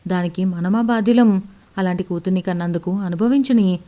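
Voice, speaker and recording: A woman's voice: mid-range voice, brisk, dark tone, close to an everyday voice. A woman narrator voicing a fed-up female coworker who complains bluntly. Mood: harsh.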